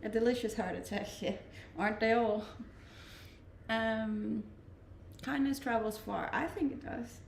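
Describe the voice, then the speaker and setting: A woman's voice: on the high side, measured pace, creaky, roomy sound, a little hiss or hum. A woman in her twenties with a Danish accent, chatting casually and laughing as she reads viewer comments on her stream. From Denmark. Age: 20s. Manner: relaxed, chatty, laughs often. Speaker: livestreamer.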